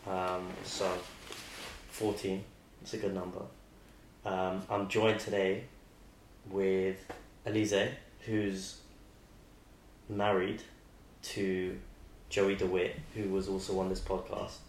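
A man's voice: sits low, little pitch movement, takes it slowly, pauses often. A man, hosting a podcast in casual, rambling chat with many restarts. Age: 20s. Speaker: podcast host. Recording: roomy sound with faint noise.

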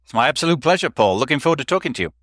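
A man's voice: medium pitch, sing-song, racing, a bit bright, no echo, studio quality. A man in his fifties with a Welsh accent, a podcast guest telling his career story in a conversational way with frequent hesitations and fillers. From South Wales. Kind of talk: conversational interview.

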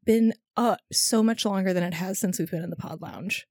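A woman with a mid-pitched voice co-hosts a friendly podcast. She talks casually and playfully, in a very dry, close recording. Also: normal speed, a little mellow, dry recording. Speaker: podcast co-host. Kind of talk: casual chat between friends.

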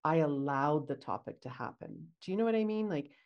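A woman's voice: sits low, lively intonation, brisk, lo-fi sound. A woman co-hosting a casual podcast, chatty and acting out bits of client talk. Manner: chatty, acts out client dialogue. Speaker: podcast co-host, esthetician.

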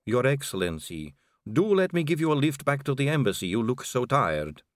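A man voicing a calm, elegant, sly female vampire noblewoman in an audiobook, cool and drawling. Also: medium pitch, normal speed, dry recording, studio quality, pitched above the performer's own voice, lightly acted. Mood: smooth, courteous. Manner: cool, drawling, amused and poised. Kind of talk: audiobook character reading.

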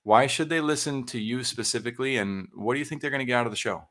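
A man's voice: mid-range voice, fast, a bit bright. A man hosting an interview, asking curious follow-up questions in a conversational way. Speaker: podcast host, interviewer.

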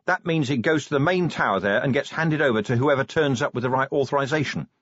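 A man narrator voices a nervous, deferential police constable in a fantasy audiobook. The voice is raised in pitch and slightly husky, hesitant but respectful. The sound is a little dull. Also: fast talker, fairly bright tone, no room sound, lightly acted. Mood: nervous, reporting. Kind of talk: audiobook character voice.

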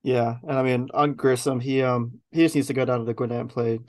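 A man's voice: medium pitch, brisk. A man hosting a podcast, chatting casually about a baseball team's week, talking loosely with lots of ums and restarts. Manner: relaxed, rambling with many fillers. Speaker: podcast host. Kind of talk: casual sports chat.

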